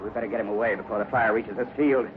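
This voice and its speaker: A man's voice: lowish voice, fairly even intonation, rapid-fire, close to an everyday voice. A man voicing the hero and narrating a 1950s radio western, firm and urgent. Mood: gentle. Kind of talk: 1950s radio drama acting. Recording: tinny old radio broadcast with loud hiss.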